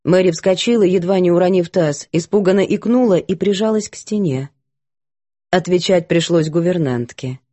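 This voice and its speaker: A woman reading a novel aloud as audiobook narrator, even and clear. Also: on the low side, moderate pace, no echo. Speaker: audiobook reader. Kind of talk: scripted story narration.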